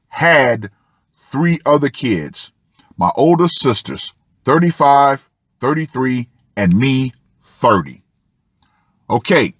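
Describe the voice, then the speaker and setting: A man hosting an online commentary show, reading a post aloud and commenting with deliberate, dramatic emphasis and drawn-out words. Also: mid-range voice, a bit bright, slightly rough, dry recording, studio quality.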